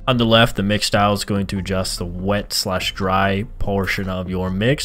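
A man narrating a software tutorial as host, explaining step by step and addressing viewers directly. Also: fairly low pitch. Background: background music.

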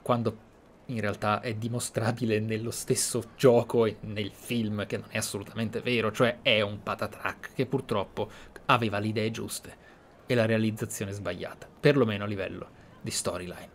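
A man's voice: on the low side, steady tone, normal speed, slight background noise. A man with an Italian accent giving let's play commentary in a reflective, discursive way. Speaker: gaming commentator. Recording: game ambience faintly behind the voice.

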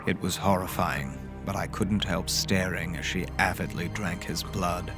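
Deep voice guy playing a smitten gentleman narrating a horror romance audio drama, faint music behind. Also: measured pace. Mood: tense, dread.

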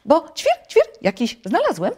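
A woman's voice: high-pitched, wildly swooping pitch, unhurried, darkish tone, pitched above the performer's own voice, heavily acted. A woman voicing a polite little sparrow who chirps between words. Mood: chirpy, polite.

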